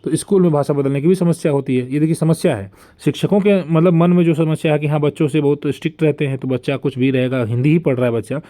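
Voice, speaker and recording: Young guy teaching an online class, soft mellow voice, keeps saying "see" and "ok". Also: a little high, fairly even intonation, quick pace, hardly any pauses. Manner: explanatory, frequent "dekhiye" and "theek hai" fillers. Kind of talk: online lecture.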